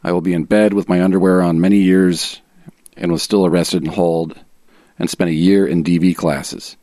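A man's voice: low voice, steady tone, moderate pace, mellow, no room sound, studio quality, natural voice. A man reading as an aggrieved husband in his normal voice, as a guest on a podcast. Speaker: guest reader.

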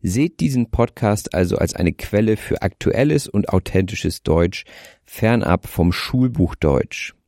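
A man's voice: fairly low pitch, animated, vocal fry, a little mellow, no echo, studio quality. A man in his twenties with a light north German accent, carefully reading a prepared script as a podcast host. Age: 20s. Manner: careful, deliberate delivery aiming for standard German. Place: in bed under a blanket. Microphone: handheld microphone.

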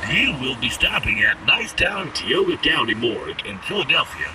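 Robotic app navigation voice, put on by a male narrator, mid-pitched with some lilt, audiobook with music bed. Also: very animated, normal speed, recorded from a distance, rough recording. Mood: announcing. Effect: robotic voice from a phone app.

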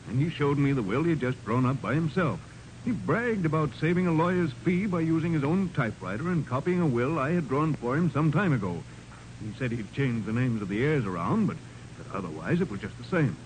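A courteous, fussy family lawyer played by a man in a vintage radio crime drama. He speaks formally and with measured care in a mid-pitched voice, over faint recording noise. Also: expressive, a little mellow, lightly acted. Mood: troubled, courteous. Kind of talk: 1940s radio drama acting. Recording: noisy 1940s radio recording.

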